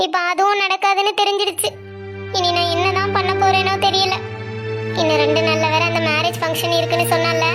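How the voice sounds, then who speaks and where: A woman's voice: very high-pitched, fairly bright tone. A woman voicing a middle-aged mother in a cartoon family story, scolding and fretful.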